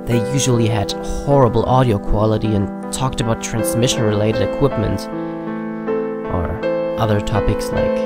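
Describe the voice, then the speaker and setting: Male horror narrator over prominent piano music. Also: medium pitch. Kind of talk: scripted first-person storytelling. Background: prominent piano and keyboard music.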